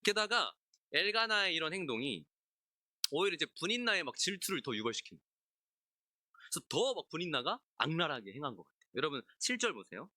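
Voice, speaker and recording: A man's voice: on the high side, sing-song, fast, bright, forceful tone, no echo, clean studio sound. A man pastor giving an expository sermon at a midweek service, talking in a conversational way, asking the congregation questions and acting out characters in asides. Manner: acts out biblical characters in asides, laughs often.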